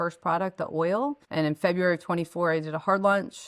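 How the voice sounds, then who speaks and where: In a Texan accent, the voice comes through dry and close with no echo on a very clean recording with a silent background. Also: woman. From Texas. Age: middle-aged. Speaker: entrepreneur. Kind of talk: interview.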